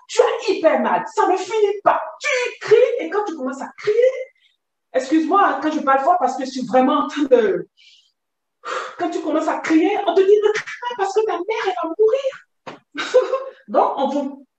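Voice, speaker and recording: A woman giving an emotional personal testimony, halting and pained, often rising to near shouts. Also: high-pitched. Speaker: testimony guest. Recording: echoey room, far from the mic.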